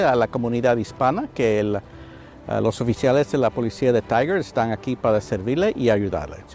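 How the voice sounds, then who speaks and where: A man at a very fast pace with hardly any pauses, medium in pitch. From grew up abroad, mostly Latin America. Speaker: police officer. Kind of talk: interview testimony.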